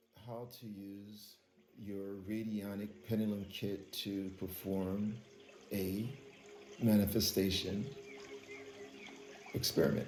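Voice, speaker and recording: A man with a fairly low pitch talks at a very slow pace, leaving long, frequent pauses. His intonation stays fairly even, with music in the background. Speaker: radionics pendulum kit maker. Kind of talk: how-to tutorial narration.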